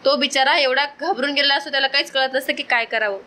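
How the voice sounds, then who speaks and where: A woman's voice: sits high, fairly even intonation, fast, bright, forceful tone. A woman narrating a serial episode recap in a storytelling style, with chatty, sympathetic asides.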